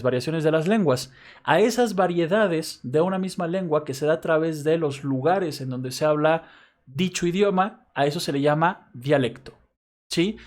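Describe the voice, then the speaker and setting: A male university professor with a Mexico City accent giving a recorded class lecture, explaining patiently and often checking in with his students using quick tag questions. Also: on the high side. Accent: Mexico City Spanish.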